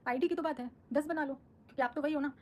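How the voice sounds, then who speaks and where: A woman's voice: high voice, fairly even intonation, fast, darkish tone. A woman on a live stream, answering her viewers' comments in a firm, defensive, outspoken way. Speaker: social media creator on a live stream.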